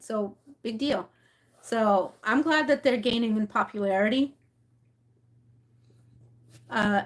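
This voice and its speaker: A woman from Mexico and the rural Southwest hosting a casual livestream, chatty and informal as she thinks aloud. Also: a little high. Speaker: livestream host. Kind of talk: casual livestream chat, reading labels aloud and replying to viewers.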